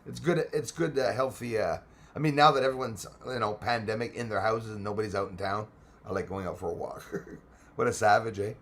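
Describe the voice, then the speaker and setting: A man's voice: on the low side, moderate pace. Chatty Québécois man hosting a live stream. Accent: Québécois French. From Quebec. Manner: chatty, laughs often, switches between English and French. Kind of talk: casual live chat reading comments.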